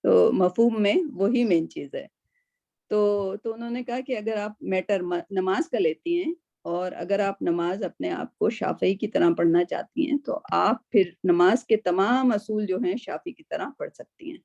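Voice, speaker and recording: A woman's voice: mid-range voice, creaky, warm tone, no echo, muffled recording. A woman teaching a Quran class over a video call, explaining patiently and often checking in with her students.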